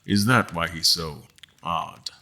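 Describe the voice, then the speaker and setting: An actor playing a frustrated, wry mortal guest in an audio drama, choosing words in a deliberate, formal, dry manner. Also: male voice, deep voice, pushed and bright, full character voice. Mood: careful, probing. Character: mortal male guest, frustrated, wry, carefully probing captors. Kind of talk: audio drama acting with first-person narration.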